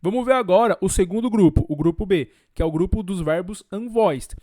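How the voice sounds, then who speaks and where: A man from Brazil with a fairly high voice teaches English pronunciation to camera. He explains in a lively way and repeats example words slowly and clearly. The sound is dry and close, with no room echo.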